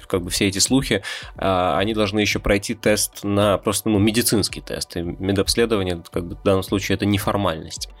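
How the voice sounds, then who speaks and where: A man co-hosting a football podcast, ironic and teasing, throwing out rhetorical questions. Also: sits low. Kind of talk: casual chat.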